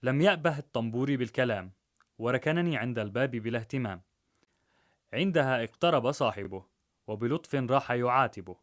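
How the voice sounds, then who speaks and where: A man narrating a rhymed story in a measured, rhythmic way. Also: medium pitch, animated.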